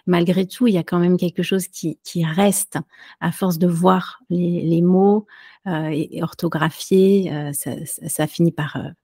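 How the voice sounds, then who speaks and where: Woman, low mellow voice, dry close sound, thoughtful, filler-heavy. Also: steady tone, unhurried, breathy edge, no echo. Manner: hesitant, many fillers and restarts, light laughs. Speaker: French teacher and podcaster, guest. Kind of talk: casual interview answers.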